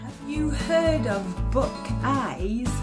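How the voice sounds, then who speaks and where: A woman speaking at a very slow pace over clear background music. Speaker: English teacher. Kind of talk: casual conversation, English lesson. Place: home room. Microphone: phone near.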